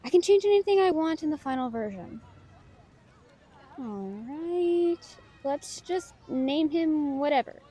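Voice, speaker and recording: A woman's voice: sits high, expressive, unhurried, dark tone, poor audio. A woman playing a playful, self-doubting young novelist, chatty and teasing, in an intimate audio roleplay addressed to a friend. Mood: musing, casual.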